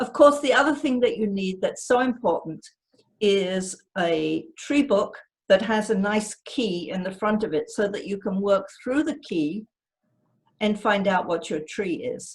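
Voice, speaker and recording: A woman speaks with an English accent in a somewhat breathy, fairly high voice. Her pace is fairly slow and her intonation lively. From England. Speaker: volunteer naturalist. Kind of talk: online presentation.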